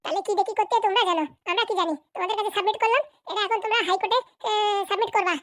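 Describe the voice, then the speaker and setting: A woman's voice: extremely high pitch, racing, a bit bright, no room sound, clean studio sound. A woman voicing a bossy, impatient female politician in a comedy cartoon, curt and insistent. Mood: scolding.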